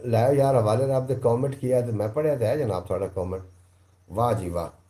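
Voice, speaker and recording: A man's voice: medium pitch, moderate pace, mellow, roomy sound. A man with a Punjabi accent hosting a live stream, reading out viewer comments, thanking people one by one and now and then reciting couplets. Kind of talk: casual live chat.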